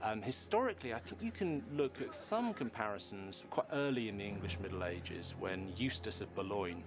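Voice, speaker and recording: A man's voice: lowish voice, animated, moderate pace, noisy background. A man explaining history emphatically, as a commentator interviewed for a documentary. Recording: loud music bed behind voice.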